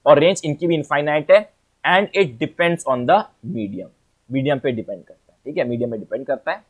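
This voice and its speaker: A man with a slightly raised pitch, teaching physics in an exam-prep lesson. He chats with the viewer, repeats each point several times, and keeps checking in with questions. His tone stays playful and informal. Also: normal speed. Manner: repeats phrases and asks the viewer rhetorical questions; playful, chatty asides.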